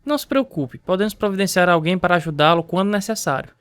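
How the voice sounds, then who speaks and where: Long-suffering school principal, high clear male voice, measured and kindly admonishing, radio drama. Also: expressive, fairly bright tone, no room sound. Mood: reassuring.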